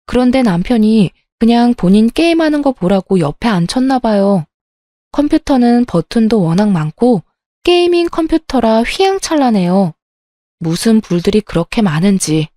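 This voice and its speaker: A woman's voice: mid-range voice, warm tone, dry recording, studio quality. Woman narrating a true-life story. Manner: confiding, emotional. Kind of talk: scripted first-person story narration.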